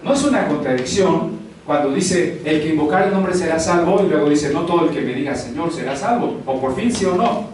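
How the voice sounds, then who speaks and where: Male pastor, sermon, high-ish voice, far from the mic in a very echoey hall. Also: animated, fairly quick, a little mellow, slight background noise. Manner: conversational preaching with rhetorical questions. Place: church hall.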